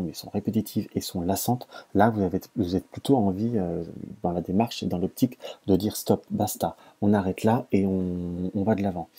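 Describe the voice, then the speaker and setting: Male tarot reader, low mellow husky voice, halting and self-correcting delivery. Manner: hesitant, stammers and restarts often. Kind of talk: casual tarot reading to camera.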